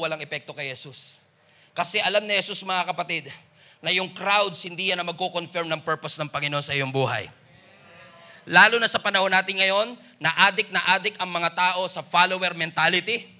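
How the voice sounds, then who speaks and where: Bright-voiced Filipino pastor preaching. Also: male voice, high-pitched, creaky. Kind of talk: sermon.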